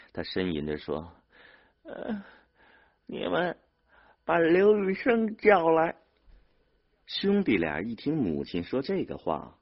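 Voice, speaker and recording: Deep husky male storyteller. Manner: expressive storyteller. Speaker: audiobook narrator. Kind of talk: dramatic audiobook reading. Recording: dull lo-fi audio.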